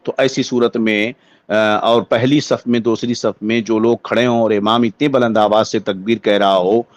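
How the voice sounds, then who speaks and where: A man with an Indian accent, a Muslim cleric giving a religious ruling as a lecture in deliberate, formal scholarly phrasing. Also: on the low side, fairly even intonation, no echo.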